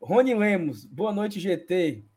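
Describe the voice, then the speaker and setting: A husky, high-pitched man hosts a casual live fan show. He reads viewer comments aloud in a playful, chatty way, greeting each one. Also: sing-song, slow pace, darkish tone. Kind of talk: casual live-stream chat.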